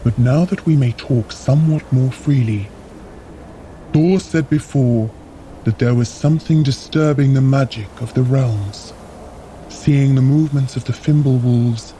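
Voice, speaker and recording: An actor playing a stern, composed palace giant in an audio drama, speaking in a formal, commanding way. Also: male voice, mid-range voice, a little slow, warm tone, slight background noise, lightly acted, poor audio. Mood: grave.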